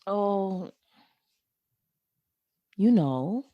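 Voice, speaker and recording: A woman playing an elderly, reproachful and evasive grandmother in an audio drama, with a husky voice and terse replies. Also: medium pitch, expressive, drawn-out words, muffled recording.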